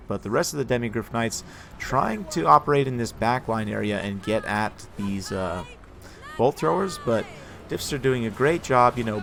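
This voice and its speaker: Male game commentator, hoarse with a cold, gravelly fry, mid pitch, laid-back chatty delivery. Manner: chatty, relaxed, frequent "uh" fillers and laughs. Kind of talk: casual strategy game commentary.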